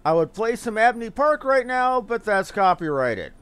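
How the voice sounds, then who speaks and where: High-voiced man streaming a game. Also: big pitch swings, normal speed, fairly bright tone, clear, resonant tone. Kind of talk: casual game stream commentary.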